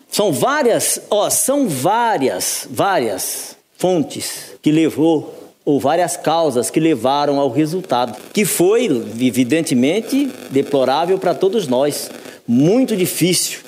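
Councillor speaking in swooping, emphatic bursts. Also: male voice, sits high, a little mellow. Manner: halting, emphatic, rising and falling. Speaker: city councillor. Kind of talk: floor speech.

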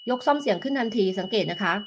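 Speaking very fast in a slightly high, animated voice, a woman health coach gives a live demo lesson through a desk microphone, with background noise present. She walks through it step by step in a gentle way, fields viewer questions, and tuning fork tones sound in the background.

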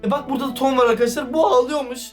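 A man doing excited, casual vlog commentary, slangy and talking straight to his viewers. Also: very high-pitched, very fast. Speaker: YouTuber reacting to a chat. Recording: distant mic with background music.

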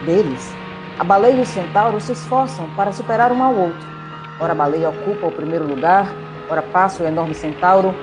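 A woman's voice: on the low side, poor audio. A woman with a Brazilian accent, narrating a scripted tale in a theatrical, playful way.

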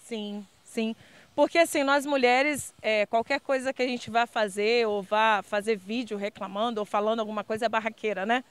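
In street interview answers, a community leader and council candidate from Brazil speaks in a slightly high, clean-toned voice at normal speed. Her intonation stays fairly even, and her earnest, persuasive delivery is full of fillers.

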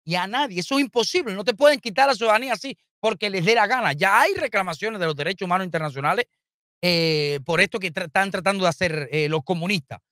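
A Cuban man with a Cuban accent, speaking into a studio mic in a small home studio. His voice is bright and forceful, and the sound is dry and close. He rants in a blunt, heated way and swears freely. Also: sits high, fast, dry recording. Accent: Cuban Spanish. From Cuba. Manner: animated, blunt, swearing, gesturing. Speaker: streamer commentator. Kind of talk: heated political rant. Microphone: studio mic with headphones.

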